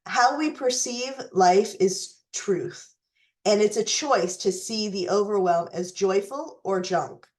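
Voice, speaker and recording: A woman hosting a recipe tutorial who is losing her voice and fighting a cough, talking in a deliberate way with some fillers. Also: mid-range voice, a little mellow, low-quality recording. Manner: slow, deliberate, with fillers and restarts. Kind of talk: reading a letter, then walking through recipes.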